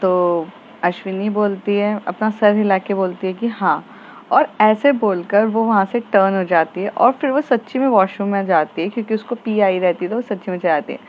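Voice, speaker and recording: A woman's voice: medium pitch, normal speed, slight background noise. Woman casually telling a love story, chatty, dull lo-fi sound. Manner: chatty, fillers.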